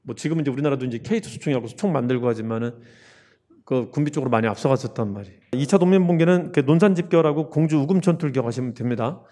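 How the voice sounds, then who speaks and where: Lively male history lecturer, warm and mellow. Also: medium pitch, very fast. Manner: lively, asks the class questions then answers them himself; casual, chatty with jokes to aid memory. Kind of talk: online exam-prep lecture.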